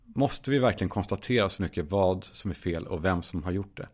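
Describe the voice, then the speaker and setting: A man's voice: low voice, a little mellow. A man hosting his own podcast, talking in a candid, musing solo monologue, swearing casually with lots of fillers and restarts. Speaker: podcast host.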